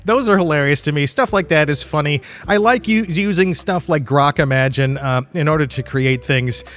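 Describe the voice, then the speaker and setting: A man's voice: a little high, normal speed, a bit bright. A man hosting a solo podcast, talking in a casual, rambling, candid way with loose swearing and chuckles mid-sentence. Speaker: podcast host.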